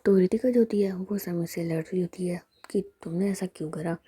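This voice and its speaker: Dark husky woman telling a story. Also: on the low side, a little fast, no echo, clean studio sound. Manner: switches between narration and lively quoted dialogue. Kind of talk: casual spoken storytelling with acted quotes.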